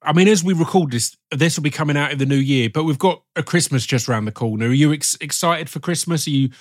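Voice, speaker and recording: A middle-aged podcast host from Essex, England, chats casually and informally in his Essex accent, often restarting his words. His voice is a little high and his pace quick. The recording is studio quality with no room sound.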